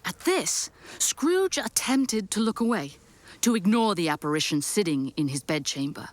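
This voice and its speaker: A woman narrating an audio drama as a storyteller, with theatrical, deliberate phrasing. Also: medium pitch, lively intonation.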